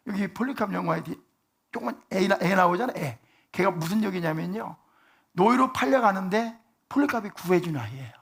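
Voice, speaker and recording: Male pastor, husky, slightly high voice, chatty sermon delivery with frequent questions to the pews. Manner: conversational, asks the congregation rhetorical questions. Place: church sanctuary.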